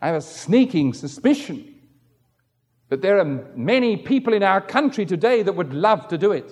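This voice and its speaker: A middle-aged male pastor preaches a sermon in a large hall, his slightly rough voice sing-song and moderately paced. He tells stories and acts out the voices of the people in them, swinging widely in pitch for each quoted character.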